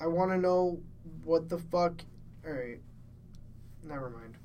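A man speaks with a fairly high pitch and a dark, mellow tone in an American accent. His intonation stays fairly even, and room echo is audible. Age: 20s. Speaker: podcast host. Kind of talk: casual chat. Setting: studio.

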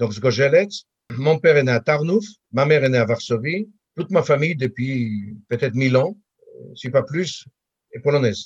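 A man's somewhat breathy, medium-pitched voice with lively intonation, a moderate pace and long, frequent pauses. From Israel (Haifa), born in Poland. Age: 70s. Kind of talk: life-story interview. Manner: halting, with repetitions.

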